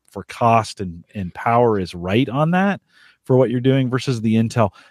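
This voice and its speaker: In an ordinary speaking voice, a man talks at a moderate pace and medium pitch, the sound dry and close with no echo on a very clean recording with a silent background. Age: 50s. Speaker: tech podcast host. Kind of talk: casual chat. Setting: studio.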